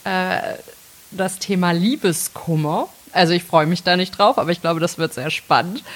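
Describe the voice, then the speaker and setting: A woman with an unremarkable speaking voice, medium pitch and a fairly slow pace. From northern Hesse, Germany (Melsungen). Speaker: podcast co-host. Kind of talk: casual chat.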